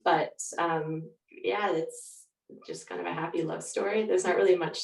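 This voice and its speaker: Woman, lowish pitch, thoughtful author, roomy echo, off the mic. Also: fairly even intonation, moderate pace, vocal fry, recorded from a distance. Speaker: guest author. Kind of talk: reflective interview answers and reading aloud.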